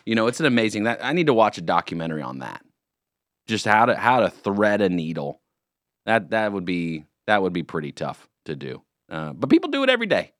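A man hosting a morning radio show, chatting in a jokey, rambling, animated way in a studio. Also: lowish voice, brisk, dry recording. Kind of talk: casual morning radio banter. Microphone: studio microphone.

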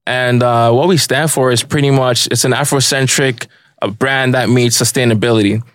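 A Ghanaian man who founded a fashion brand appears as a podcast guest in a casual interview chat, relaxed and rambling, with constant fillers like "like" and "you know." His voice is medium-pitched at a normal speed, captured as clean studio sound with no room sound.

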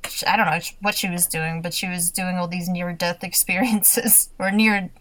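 A woman's voice: on the low side, fairly even intonation, moderate pace, a bit bright, no echo. Chatty woman recapping a TV episode. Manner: chatty, laughs often, acts out quotes. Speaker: podcast co-host. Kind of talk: casual TV recap chat.

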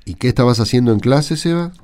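A man's voice: medium pitch, expressive, brisk, darkish tone, natural voice. A man with an Argentine accent acting an indignant, argumentative catechism teacher in a radio drama. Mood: questioning, patient. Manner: argumentative, emphatic. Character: indignant male catechism teacher defending a bullied pupil.

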